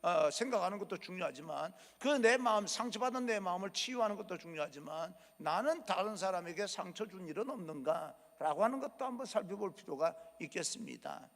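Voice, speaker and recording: A man's voice: sits high, expressive, fairly quick, gravelly, hardly any pauses. A male pastor preaching a sermon in a church, earnest and encouraging, acting out quotes as he goes. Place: church sanctuary. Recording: long hall reverb.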